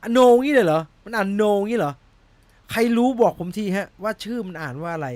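Chatty Thai man with a high voice. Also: lively intonation, brisk, a little mellow, no room sound. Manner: rambling, laughs at himself, fumbles over a name. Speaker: movie news host. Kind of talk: casual chat about film news.

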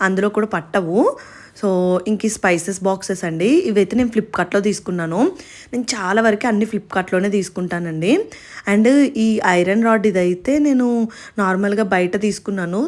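A young adult Indian woman, narrating a casual home vlog in a chatty, explanatory way and addressing viewers directly. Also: on the low side. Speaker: home vlogger.

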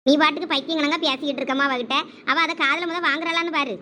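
A woman's voice: sits high, fairly even intonation, fast talker, bright, forceful tone, slight background noise. A woman with a Thoothukudi Tamil accent performing village family comedy drama dialogue, chatty, scolding and coaxing.

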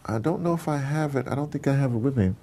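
Gravelly-voiced man talking emphatically in an interview. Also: medium pitch, fast talker, mellow. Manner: emphatic, digressive, repeats phrases for emphasis. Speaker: interviewee, audio drama producer. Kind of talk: animated interview conversation.

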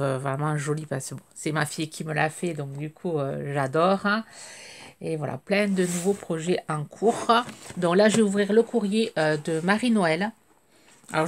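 A middle-aged woman, slightly hoarse, chatting hesitantly with many fillers as she opens craft mail at home. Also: low voice. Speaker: craft vlogger. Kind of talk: casual chat while unboxing mail. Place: craft table indoors, home.

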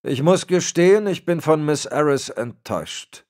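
A man voicing a frail, cold old crime boss who gives orders in a raspy voice. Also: a little high, lively intonation, moderate pace, a little mellow, pitched above the performer's own voice, lightly acted. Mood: icy. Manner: cold, commanding. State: raspy, cracking voice.

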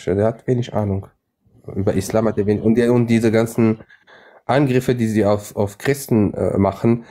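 A man whose first language is Arabic, hosting a live-stream chat and speaking halting German with many restarts. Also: mid-range voice, dark tone. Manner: halting, many restarts and fillers, non-native German grammar. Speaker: livestream host.

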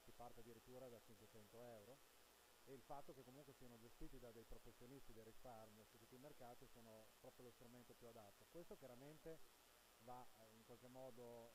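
A middle-aged man, a sales director, answering interview questions in a measured, businesslike way with frequent fillers, recorded on a handheld mic at a trade-fair stand. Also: mid-range voice. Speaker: sales director of an asset manager. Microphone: handheld interviewer mic held close. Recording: audible hiss and background noise.

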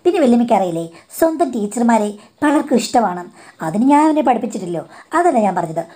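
Woman in her 40s spinning a story, chatty, a bit high and soft. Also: big pitch swings, quick pace. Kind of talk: first-person storytelling.

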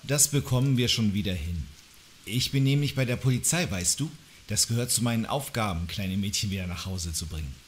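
A man's voice: fairly low pitch, animated, fairly quick, a little hiss or hum, natural voice. A young man playing a police trainee, speaking in a friendly, reassuring way. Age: young adult. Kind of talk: radio drama acting.

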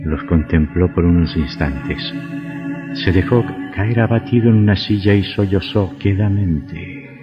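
Deep-voiced man narrating a radio drama. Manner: measured, suspenseful. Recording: dull lo-fi audio with faint music.

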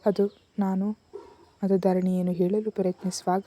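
A woman narrating a serialized romance novel in a steady, soft storytelling manner. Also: medium pitch, measured pace. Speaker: audiobook narrator.

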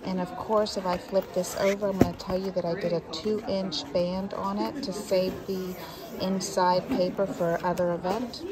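A friendly, chatty woman with a slightly low voice shows off her scrapbook work piece by piece. She talks into a handheld phone in a big convention hall full of crafters. There is steady crowd chatter all around her. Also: moderate pace. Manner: chatty, friendly, walking through each detail. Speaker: paper craft channel host. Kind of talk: casual craft show-and-tell vlog.

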